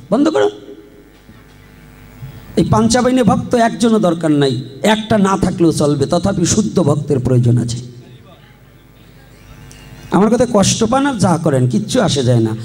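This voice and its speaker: A man's voice: sits high, sing-song, moderate pace, pauses often, a little mellow, faint music behind. A man with a Faridpur Bengali accent preaching a live devotional sermon, teasing the crowd with questions and breaking into chants. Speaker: Bhagavata preacher.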